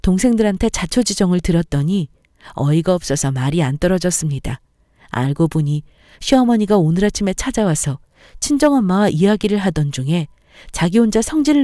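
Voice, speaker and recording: A woman tells her own story as scripted narration, in an even, confessional manner. Her voice is warm and mellow, with no brightness. The sound is dry and close to the mic. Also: on the low side, brisk, no echo.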